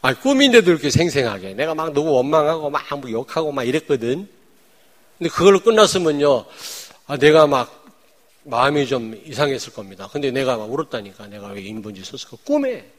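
Male pastor, sermon delivery, animated pitch, mixes booming claims with hushed asides and rhetorical questions. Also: a little fast.

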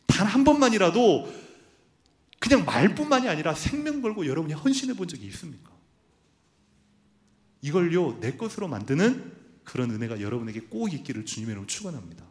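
A man preaches from the pulpit, weaving a personal story into his sermon. His pitch sits a little high and moves in lively swings. He acts out the voices of the people in his story as he talks. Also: a little fast, long pauses. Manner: animated storytelling, acting out quoted voices. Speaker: pastor.

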